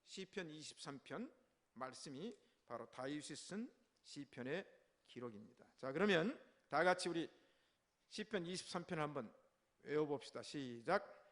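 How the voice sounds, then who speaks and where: Guy pastor preaching in church, chatty and playful, somewhat high voice. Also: moderate pace. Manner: lively and conversational, teasing the congregation. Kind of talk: sermon. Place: church sanctuary.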